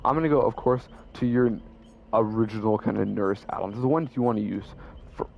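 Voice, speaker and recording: A man's voice: fairly low pitch, fairly quick, creaky, muffled recording, a little hiss or hum. A young man casually explaining his game builds as a YouTuber, rambling and correcting himself as he goes. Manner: rambling, self-correcting, stutters. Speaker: gaming YouTuber.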